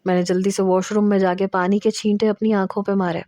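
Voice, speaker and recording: Mellow woman narrating a romance. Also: mid-range voice, no room sound, clean studio sound. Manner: steady, intimate storytelling with emotional emphasis in quoted lines. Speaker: storyteller. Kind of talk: first-person romantic story narration.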